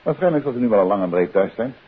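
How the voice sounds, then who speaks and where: Beheerste speurder, lage stem, oude radio. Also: male voice, lowish voice, expressive, rapid-fire, slightly rough. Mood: casual. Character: composed, courteous male private detective questioning people. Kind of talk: 1950s Dutch radio drama acting. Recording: hissy, narrow-band 1950s radio recording.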